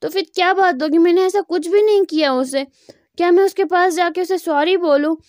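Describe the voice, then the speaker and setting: A woman's voice: extremely high pitch, a little fast, a little mellow, no room sound, studio quality. A woman voicing a clingy, impatient teenage boy in her own narrating voice, with a whiny, pleading tone. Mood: upset.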